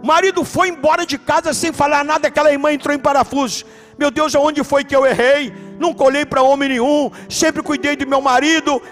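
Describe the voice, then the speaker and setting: Man, pastor, Brazilian Portuguese accent, high-pitched, animated preaching, faint background music. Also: fairly quick. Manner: animated preaching, shouts for emphasis. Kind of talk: sermon with storytelling. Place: church.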